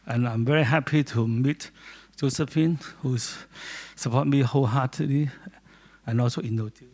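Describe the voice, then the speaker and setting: A man with a Hong Kong accent, a native Cantonese speaker, giving a halting informal talk in English about his photo book to a small audience in a gallery. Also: medium pitch, steady tone, a little mellow. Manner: halting, with many restarts and pauses. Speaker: guest speaker, doctor and photographer.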